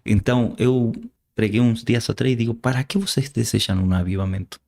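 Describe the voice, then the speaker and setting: A man from Argentina with an Argentine Spanish accent, a native Spanish speaker who talks earnestly and haltingly, repeating words as he preaches in an interview. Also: mid-range voice, gravelly, a little mellow. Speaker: guest preacher.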